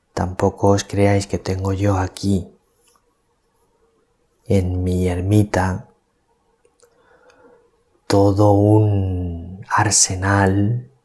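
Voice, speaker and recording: A priest from giving a calm, deliberate gospel reflection at night, keeping his voice down so as not to wake anyone. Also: deep voice. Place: small hermitage at night.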